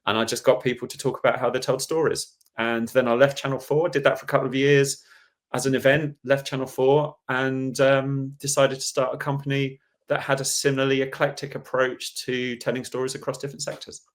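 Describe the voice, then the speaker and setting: A man's voice: medium pitch, level tone, brisk. An English man, a guest in an interview, telling stories in an easygoing way. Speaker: agency founder, guest. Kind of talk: relaxed interview answers.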